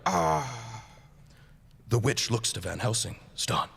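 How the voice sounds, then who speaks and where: A man's voice: mid-range voice, sing-song, takes it slowly, creaky, a bit bright, breathy edge, big-room sound. A man narrating a comic radio play in a storytelling style.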